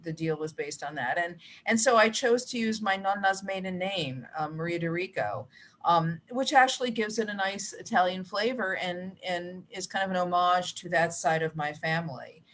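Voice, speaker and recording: Chatty American woman, slightly low voice. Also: normal speed, fairly bright tone. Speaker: mystery author, guest. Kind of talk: casual interview chat about writing.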